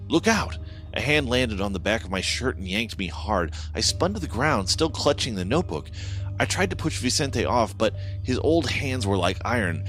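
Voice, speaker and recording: A man's voice: lowish voice, fairly bright tone. A man narrating a horror story in the first person, with dramatic scripted delivery.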